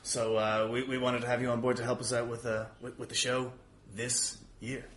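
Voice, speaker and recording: Casting: man, average pitch, wry showman promoting casually, repeats himself, recorded in a roomy, echoing space. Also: little pitch movement, normal speed, crowd noise. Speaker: podcast guest, event promoter. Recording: roomy echo, faint background noise.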